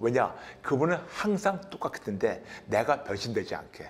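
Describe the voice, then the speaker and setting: His intonation lively, a man is speaking. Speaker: pastor. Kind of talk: Q&A teaching talk to online viewers. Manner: fast; animated.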